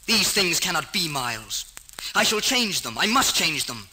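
A man's voice: on the high side, sing-song, moderate pace, sharp tone, exaggerated voice, poor audio. An actor playing a proud young exiled king, imperious and theatrical, with archaic speech in old radio drama style. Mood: horrified, resolute. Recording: hissy old radio recording.

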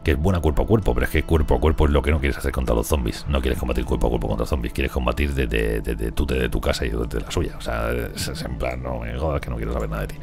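Fast-talking deep-voiced Spain Spanish man. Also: fairly even intonation, creaky, over music. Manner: rambling, chatty, talks to colonists. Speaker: gaming streamer. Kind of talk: casual let's play commentary.

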